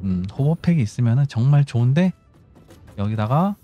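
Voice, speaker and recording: Man, game commentary, instructive, mellow voice, animated pitch, faint music behind. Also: a little fast. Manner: instructive, talks himself through building steps. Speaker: gaming YouTuber.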